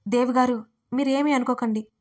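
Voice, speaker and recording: A woman voicing a gentle, reserved young woman who speaks softly in a storybook reading. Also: sits high, steady tone, normal speed, lightly acted. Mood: subdued.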